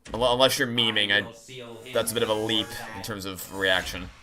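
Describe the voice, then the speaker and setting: Casual male streamer with a bright, forward voice. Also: fairly low pitch, fairly even intonation, normal speed. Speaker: video game streamer. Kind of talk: casual livestream chat and game commentary. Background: game music.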